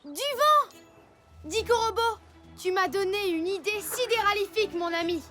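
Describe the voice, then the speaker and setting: Very high-pitched heroic little alien boy. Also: animated, normal speed, bright, forceful tone, soft background music, full character voice. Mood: earnest, determined. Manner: emphatic, earnest, commanding. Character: brave little alien boy hero, earnest patrol leader. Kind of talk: French cartoon dub acting.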